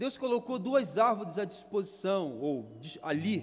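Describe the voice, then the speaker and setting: A man with a high pitch speaks at a fairly slow pace, swinging through a very wide pitch range. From Rio de Janeiro, Brazil. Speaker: pastor. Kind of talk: sermon.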